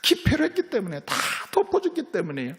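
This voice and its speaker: A middle-aged man, a senior pastor, preaching a sermon as a lively storyteller who keeps checking in with his congregation. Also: sits high, fast talker. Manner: lively storytelling preacher, voices characters in quotes, asks "예?" of the congregation.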